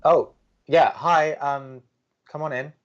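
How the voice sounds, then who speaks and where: A man's voice: fairly high pitch, steady tone, takes it slowly, lo-fi sound, slight background noise. A man playing a sardonic, awkwardly romantic young college radio co-host with a dry manner, in a scripted audio drama. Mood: flustered.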